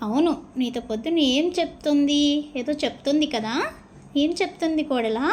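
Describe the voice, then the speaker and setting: A woman's voice: high voice, brisk, darkish tone, a little hiss or hum, close to an everyday voice. A woman voicing a gossiping older mother-in-law who warns her daughter-in-law. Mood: gossipy.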